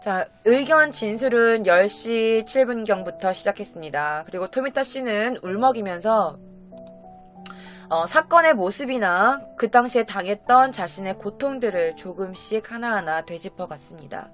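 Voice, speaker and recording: A woman telling a true crime story in a casual, animated way, speaking straight to her viewers. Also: mid-range voice, moderate pace, faint music behind. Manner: animated, acts out quotes, talks straight to viewers. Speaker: horror storyteller, streamer.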